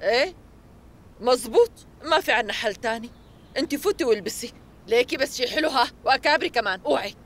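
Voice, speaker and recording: A woman with a Syrian accent voicing a fussy, excitable middle-aged mother and aunt in a dubbed TV drama, talking fast and exclaiming a lot. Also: on the high side, a little hiss or hum. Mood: bossy. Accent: Syrian Arabic. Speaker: dubbing actor. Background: music score.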